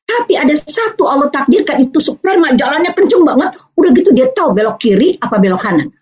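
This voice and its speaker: A woman's voice: high-pitched, fast talker. A woman from Aceh gives a parenting seminar talk, telling a personal story and acting out the voices in it, at times becoming tearful. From Aceh, Indonesia. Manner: animated, acts out quoted voices, turns tearful. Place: online video seminar. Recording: muffled lo-fi online meeting audio.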